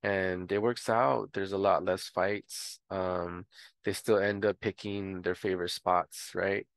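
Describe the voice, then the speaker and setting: A man's voice: deep voice, slow pace, creaky, dry recording. A man explaining a homesteading tutorial in a casual, rambling way, with frequent ums and restarts. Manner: relaxed, rambling with many fillers. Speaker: homestead educator.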